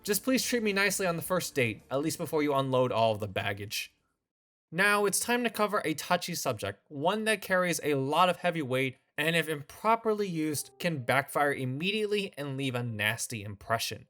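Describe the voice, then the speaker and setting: A man's voice: a little high, sing-song, moderate pace, sharp tone. A man hosting a scripted commentary video, opinionated with a wry, sarcastic edge. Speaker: video essay host.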